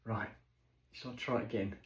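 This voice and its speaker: A man's voice: on the low side, steady tone, moderate pace, roomy sound. A man chatting to his dog and his viewers while he prepares food in his home kitchen. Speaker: vlogger. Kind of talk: casual running commentary while doing kitchen chores. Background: dishes and kitchen clatter, a fridge gurgling.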